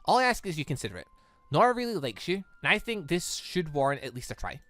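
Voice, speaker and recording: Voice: mid-range voice, fast talker, no room sound. A gaming channel host giving casual, rambling playthrough commentary on a visual novel, exclaiming and reading bits of dialogue aloud. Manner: animated, exclaiming, rambling asides.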